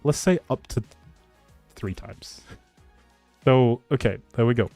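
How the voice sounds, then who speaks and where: A man's voice: medium pitch, unhurried, darkish tone, no echo, soft background music. A man hosting a livestream in a chatty, rambling, informal way, as if talking casually with viewers. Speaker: livestream host. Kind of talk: casual livestream chat, giveaway announcing.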